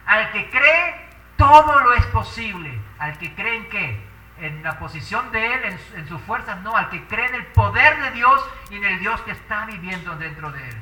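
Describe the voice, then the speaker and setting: A man's voice: high-pitched, pushed and bright, reverberant, far from the mic, poor audio. A man preaching a sermon with passion, asking the congregation rhetorical questions.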